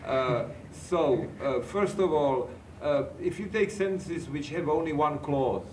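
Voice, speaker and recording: A man's voice: a little high, a little slow, a little mellow. A man with a Czech accent, a native Czech speaker, answering in a workshop discussion, hesitant. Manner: hesitant, self-deprecating. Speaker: workshop participant. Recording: echoey room, distant mic, faint noise.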